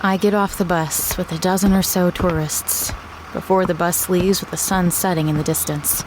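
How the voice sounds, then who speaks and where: A female actor plays a wary woman from a small town, telling her story in an audio drama. Her voice sits a little low and sounds subdued and matter-of-fact. Faint ambient noise runs behind her. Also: fairly even intonation, moderate pace, lightly acted. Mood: wistful, sober. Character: wary local woman back in her declining hometown. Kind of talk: first-person audio drama narration.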